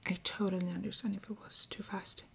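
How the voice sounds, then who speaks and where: A woman playing a friendly, patient Christmas elf helper in an ASMR roleplay, speaking softly and breathily, often in a whisper. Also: medium pitch, little pitch movement. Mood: patient, reassuring. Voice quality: soft, breathy, frequently whispering. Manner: gentle, encouraging, unhurried. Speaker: ASMR performer.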